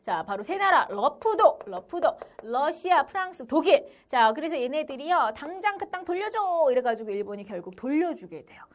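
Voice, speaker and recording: A woman's voice: high-pitched, sing-song, moderate pace, hardly any pauses. A young woman giving an online history lecture for middle school students, with "자" as a constant filler and short quotes acted out in small voices. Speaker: history teacher.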